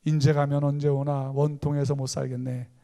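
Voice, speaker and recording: A male pastor from Gangwon Province in Korea, preaching a sermon with animated, humorous storytelling. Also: a little high, a little fast, gravelly. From Gangwon Province, South Korea.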